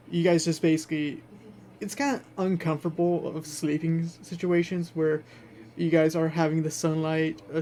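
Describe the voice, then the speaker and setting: A man acting as game master in a tabletop game, improvising narration in a halting way as he searches for words. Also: fairly high pitch, warm tone. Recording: faint background noise.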